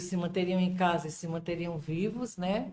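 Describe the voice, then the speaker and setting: A woman speaks at a medium pitch in a dark, mellow tone. Her intonation stays fairly even. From Pernambuco, Brazilian Northeast. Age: 70s. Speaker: multi-artist. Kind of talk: interview.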